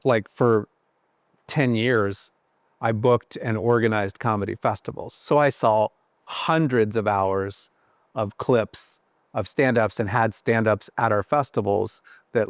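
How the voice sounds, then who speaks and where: A man's voice: on the low side, dry recording. A man guesting on a podcast, telling rambling, self-deprecating stories about his career with lots of fillers. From Ohio. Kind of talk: casual podcast chat.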